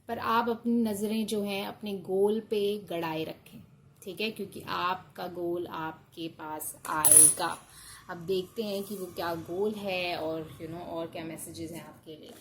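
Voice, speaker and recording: A woman's voice: mid-range voice, slight background noise, low-quality recording. A woman doing a casual tarot card reading, reassuring her listeners and mixing in English. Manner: reassuring, often checks in with "okay" and mixes in English.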